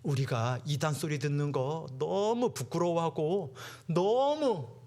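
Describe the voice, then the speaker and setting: A man preaching a dramatic sermon to teenagers, acting out mocking classmates and swinging from hushed to loud. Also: on the high side, expressive, slow. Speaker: youth preacher.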